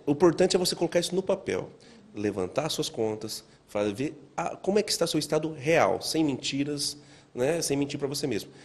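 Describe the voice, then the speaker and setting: Man, forties, Brazilian accent, rapid talker, explanatory interview style, expert. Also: on the high side, lively intonation. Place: indoor office. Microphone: handheld interview microphone.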